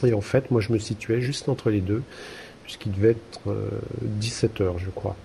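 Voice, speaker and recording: A low-pitched man with a gravelly, mellow voice chats casually on a podcast. He hesitates often, stringing his thoughts together with fillers and restarts. A faint rumble sits underneath. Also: fairly even intonation, moderate pace. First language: French. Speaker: podcast co-host. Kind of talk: casual conversational chat.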